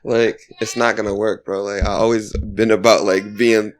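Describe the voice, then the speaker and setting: A man's voice: fairly low pitch, level tone, moderate pace. A man in a casual podcast chat who talks in a laid-back, rambling way and laughs often.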